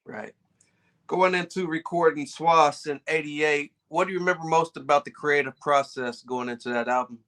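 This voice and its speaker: Male interviewer from Indiana, bright and a bit high, short direct questions. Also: moderate pace. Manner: brief, to-the-point questions.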